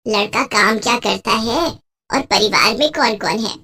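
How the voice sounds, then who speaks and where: A woman's voice: a little high, a little slow, pushed and bright, husky, pitched below the performer's own voice, heavily acted. A woman voicing a short-tempered middle-aged mother who keeps scolding her daughter, in a storybook tale. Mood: curious. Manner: exasperated, complaining. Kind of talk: storybook voice acting.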